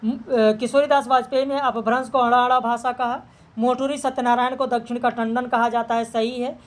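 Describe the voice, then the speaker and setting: A woman teacher whose voice sits on the high side works through exam practice questions with a flat delivery. She reads each question and checks answers briskly and matter-of-factly.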